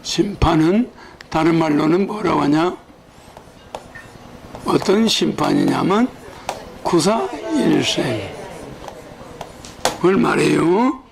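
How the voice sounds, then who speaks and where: An older man with a Gyeongsang accent delivers a rambling sermon. His voice sits high and carries a gravelly rasp. He keeps checking in with his listeners through quick rhetorical questions. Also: big pitch swings, noisy background. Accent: Gyeongsang Korean. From Gyeongsang region, South Korea. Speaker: religious leader.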